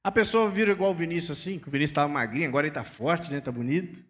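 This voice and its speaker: A man's voice: fairly high pitch, racing, in a large hall. A man with a Brazilian Portuguese accent, a pastor preaching a sermon in a conversational way and acting out everyday dialogues. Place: church sanctuary.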